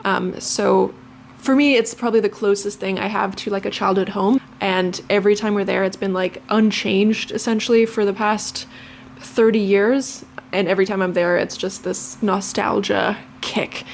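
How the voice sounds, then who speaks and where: A woman's voice: mid-range voice, steady tone, moderate pace, vocal fry, a little hiss or hum. A young woman from Lithuania, a native Lithuanian speaker, chatting casually to camera as a vlogger, with many fillers and restarts.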